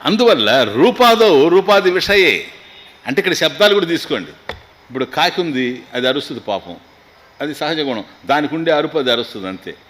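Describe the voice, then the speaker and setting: A man giving a scriptural discourse as a swami. He chants Sanskrit lines slowly, then explains them quickly with humor. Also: mid-range voice, animated, a bit bright.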